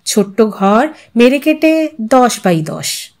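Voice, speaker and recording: A woman narrates an audio story in a fairly high voice. Her pitch moves freely as she reads, giving the literary prose a dramatized, musing feel. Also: big pitch swings, slow pace. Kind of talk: expressive scripted story narration.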